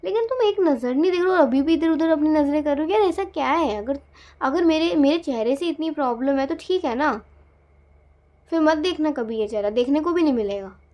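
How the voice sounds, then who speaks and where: A woman voicing a frustrated young husband who pleads loudly with his angry wife, on a dull lo-fi recording. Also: sits high, animated, a little fast, pitched above the performer's own voice. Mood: frustrated pleading. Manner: raised, pleading, exasperated.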